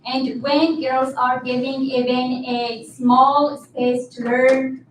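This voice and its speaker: High-voiced woman from Afghanistan speaking. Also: flat delivery, slow, slight background noise. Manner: earnest, occasional slips and restarts. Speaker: conference speaker. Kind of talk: prepared speech. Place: conference hall. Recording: echoey hall, distant mic.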